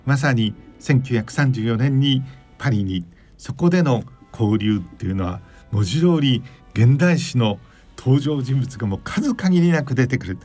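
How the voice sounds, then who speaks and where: Male radio host, mid-pitched voice, slow careful questions, hesitant fillers, light music behind. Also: expressive, a little mellow. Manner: measured, halting phrasing with fillers. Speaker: radio show host and journalist. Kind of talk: interview questions.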